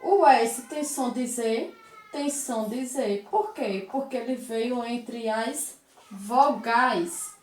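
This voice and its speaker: A woman's voice: on the high side, slow pace, echoey room. A woman teacher giving a recorded lesson to children, talking affectionately, asking questions back and sounding out words one by one.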